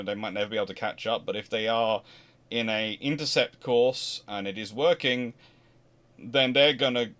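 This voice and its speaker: A man hosting a casual question-and-answer stream, talking in a rambling way, often restarting his sentences. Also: lowish voice. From Scotland. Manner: rambling, self-correcting, animated asides. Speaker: host answering viewer questions. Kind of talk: casual livestream Q&A.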